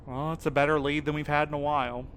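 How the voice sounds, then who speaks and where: A fairly high male voice with a casual, matter-of-fact way of talking, an easygoing and wry man as an actor plays him in an audio drama. Slight background noise sits behind him. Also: little pitch movement, fast talker, a bit bright, lightly acted.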